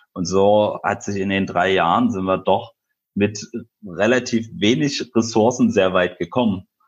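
At a fairly slow pace, a man with a plain, everyday voice talks at a fairly low pitch with ordinary pitch variation. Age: 30s. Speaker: startup founder. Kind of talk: interview. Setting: video call.

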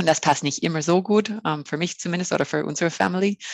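The recording has a dry, close sound with no echo. In it, a woman speaks. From Canada. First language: English (speaking German). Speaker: professor. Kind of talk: interview. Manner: halting, many fillers.

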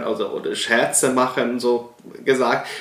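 In a room with audible echo and noticeable background noise, a man speaks at a fairly slow pace with ordinary pitch variation. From Iran. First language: Persian (speaking German). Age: 40s. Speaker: doctoral researcher. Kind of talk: interview. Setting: office. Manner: halting, many fillers and repetitions.

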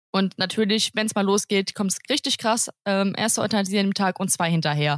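On a very clean recording with a silent background and a dry, close sound with no echo, a woman with a normal speaking voice talks at a medium pitch with lively intonation. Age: 30s. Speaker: veterinarian. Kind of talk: casual chat.

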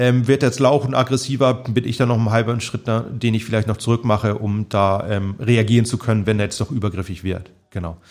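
In a normal speaking voice, a man talks at a medium pitch and a fairly quick pace with hardly any pauses. His intonation is fairly even, and the recording is very clean with a silent background. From Lower Saxony, northern Germany. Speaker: social worker. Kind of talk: interview. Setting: café.

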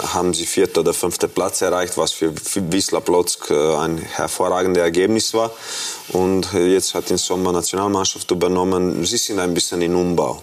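A man speaks with a Croatian accent over noticeable background noise. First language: Croatian (speaking German). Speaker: football coach. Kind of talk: TV talk show.

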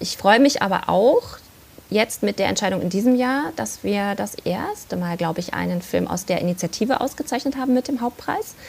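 The talking keeps a moderate pace while noticeable background noise carries on. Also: woman. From East Germany, then West Germany. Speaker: children's film festival director. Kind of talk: interview.

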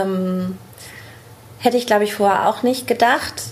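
A woman with a fairly high pitch and ordinary pitch variation talks at a moderate pace over noticeable background noise. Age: 30s. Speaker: balloon decorator and shop owner. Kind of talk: casual interview. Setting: in her shop.

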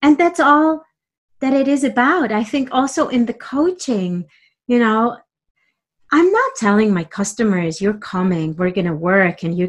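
With very wide pitch swings, a woman speaks at a moderate pace in a somewhat breathy voice. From Romania (Transylvanian German minority). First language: German. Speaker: coach. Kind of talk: casual chat.

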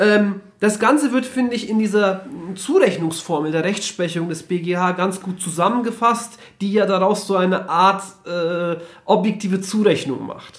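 Here a man talks at a high pitch and a fairly slow pace. His pitch varies in an ordinary way, with noticeable background noise. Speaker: criminal law scholar, podcast co-host. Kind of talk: casual legal discussion podcast. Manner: shifts into lecturing voice for standard doctrines.

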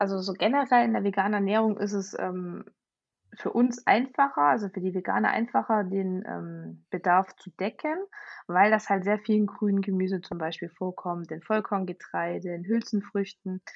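Using a normal speaking voice, a woman keeps to a medium pitch, a moderate pace and ordinary pitch variation. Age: 30s. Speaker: vegan nutrition course instructor. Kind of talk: interview.

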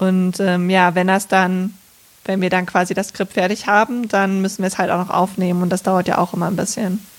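The woman's voice sits at a medium pitch. Her intonation is monotone and flat. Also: moderate pace. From Rhineland, Germany (Bergisch Gladbach). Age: 30s. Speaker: podcast co-host, biologist. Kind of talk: casual chat.

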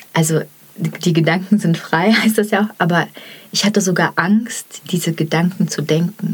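A woman talks at a moderate pace in a normal speaking voice. Her pitch sits fairly low. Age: 30s. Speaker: author and former stand-up comedian. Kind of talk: casual interview.

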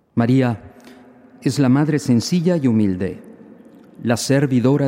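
Over noticeable background noise, a man at medium pitch talks at a moderate pace with ordinary pitch variation. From Mexico. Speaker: priest of the Latin American community. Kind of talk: sermon.

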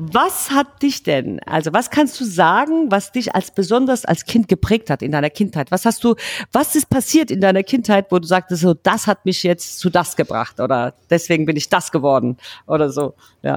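Her pitch swings very widely as this woman talks at a moderate pace. The background is silent on a very clean recording. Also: medium pitch for a woman, dry, close sound with no echo. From outside Germany. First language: not German (speaking German). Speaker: hairdresser and podcast co-host. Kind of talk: casual chat. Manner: hesitant with many fillers.

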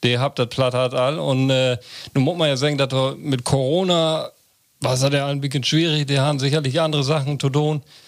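In a monotone, flat intonation, a man speaks at a fairly quick pace with very even loudness. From northern Emsland, Germany. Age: 30s. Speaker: gerontologist and researcher. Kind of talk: interview.

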